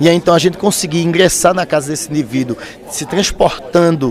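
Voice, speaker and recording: A man's fairly high voice amid crowd noise in the background. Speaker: literature teacher and video-lesson creator. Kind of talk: interview.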